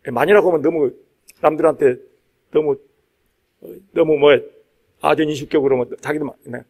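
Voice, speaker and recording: A man, a Buddhist monk, delivering a dharma talk in an emphatic, repetitive preaching manner with conversational asides to his listeners. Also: high voice. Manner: emphatic, repeats key phrases for stress. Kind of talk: sermon.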